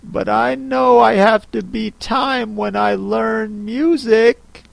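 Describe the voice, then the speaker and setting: A man voicing a polite, puzzled young girl who speaks softly and cautiously. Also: high voice, steady tone, gravelly, dry recording, pitched above the performer's own voice, heavily acted. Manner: polite, cautious, soft and slow.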